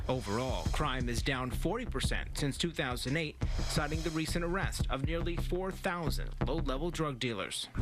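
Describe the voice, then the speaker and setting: A man speaks at a moderate pace and very even loudness, with hardly any pauses, as music plays in the background. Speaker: TV reporter. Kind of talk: TV news feature narration.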